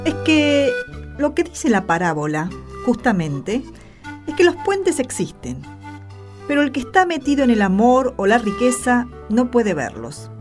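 A woman's voice: fairly high pitch, big pitch swings, a little slow, a little mellow, faint music behind. A woman with an Argentine accent, presenting on a radio drama in scripted, explanatory dialogue.

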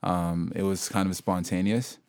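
A young man with a very low voice talks loosely and unhurriedly, circling his thoughts with fillers and restarts. He is a local hip-hop artist from Sudan being interviewed. The recording is dry and close. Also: measured pace, clear, resonant tone, no echo. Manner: relaxed, rambling, lots of fillers and restarts. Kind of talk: casual interview conversation.

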